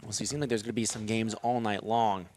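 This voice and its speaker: Steady young radio play-by-play man. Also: lowish voice, quick pace, noisy background. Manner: steady, rises with the action on big plays. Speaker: play-by-play announcer. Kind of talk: radio baseball commentary. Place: press box at a ballpark.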